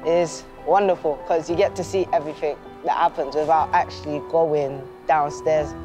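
A young man outdoors, casually and quickly pointing out the places around him. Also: a little high, steady tone, over music. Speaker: student sailor. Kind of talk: documentary interview.

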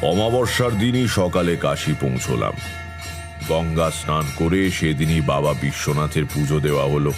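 An actor playing a grave tantric storyteller, narrating a horror tale in a measured, ominous way. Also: male voice, a bass voice. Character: grave, foreboding tantric storyteller recalling eerie past. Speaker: first-person narrator. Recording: music behind the voice.

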